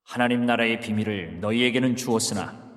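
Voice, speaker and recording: A man voicing Jesus as a grave, solemn teacher in a dramatized scripture reading, speaking slowly and with measured weight. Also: on the low side, fairly bright tone, long reverb tail, lightly acted.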